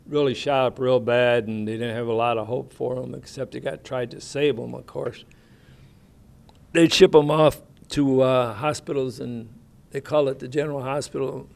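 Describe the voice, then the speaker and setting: A man's voice: mid-range voice, vocal fry, a little mellow. An older American man, a military veteran, recalling his years overseas in a rambling, plainspoken way with folksy grammar and many fillers. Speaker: veteran interviewee. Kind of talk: oral history interview, casual recollection.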